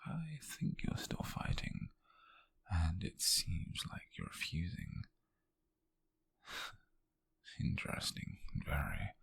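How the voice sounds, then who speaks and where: A British man playing a possessive, calculating nobleman in an intimate ASMR roleplay, speaking in a soft, menacing, condescending murmur close to the mic. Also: wildly swooping pitch, takes it slowly, pauses often, exaggerated voice. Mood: intrigued, calculating. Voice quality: breathy, husky, gravelly low murmur. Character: possessive, calculating noble man who buys captives at auction. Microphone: close mic, dry.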